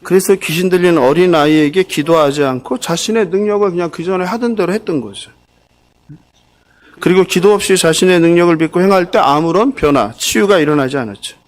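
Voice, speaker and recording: A man's voice: high voice, brisk. A male pastor preaching a sermon, keeps asking the congregation questions as he goes. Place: church sanctuary.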